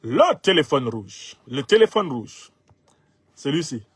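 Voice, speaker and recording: A man in his fifties from Cameroon whose first language is Bassa, emphatically commenting on viewers' social media comments. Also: big pitch swings, a little slow, husky, no room sound. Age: 50s. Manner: emphatic, rhetorical, laughs at his own jokes.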